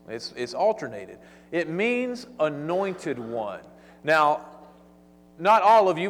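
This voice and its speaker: A man's voice: fairly high pitch, fairly bright tone. A man with an East Texas accent giving a casual, folksy sermon-style Bible lesson, talking conversationally and sometimes stumbling over his words. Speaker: Bible teacher. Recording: long hall reverb.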